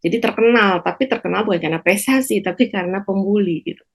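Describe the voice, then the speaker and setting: A woman psychiatrist explaining slowly on a talk show, with frequent pauses and fillers. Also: mid-range voice. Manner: measured, many hesitation fillers. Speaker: psychiatrist guest.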